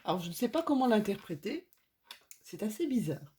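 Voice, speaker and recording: Very animated and fairly quick, with a mellow, mid-range voice, a French-speaking astrology and oracle card reader does a relaxed reading from home. She's talkative and self-deprecating, and now and then she drifts away from the subject.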